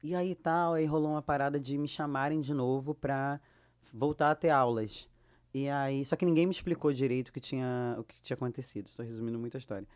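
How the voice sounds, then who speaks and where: A Brazilian woman with a Brazilian Portuguese accent, a guest actress telling lively anecdotes and acting out the dialogue she quotes. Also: a bass voice, fairly quick. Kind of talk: casual storytelling.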